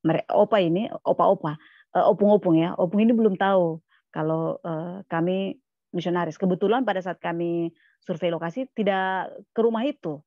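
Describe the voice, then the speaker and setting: A woman's voice: on the low side, steady tone, moderate pace, no room sound, muffled recording. A woman, a guest speaker at a church service, telling a personal story in a plain, repetitive way, often restarting phrases and quoting others. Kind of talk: testimony sermon, storytelling.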